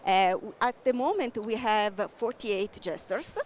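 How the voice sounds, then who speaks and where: Italian woman, non-native English, patient halting explainer, headset mic, faint background noise. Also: mid-range voice. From Italy. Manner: explains slowly with many fillers. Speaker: tech company guest. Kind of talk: trade show interview. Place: busy trade show floor.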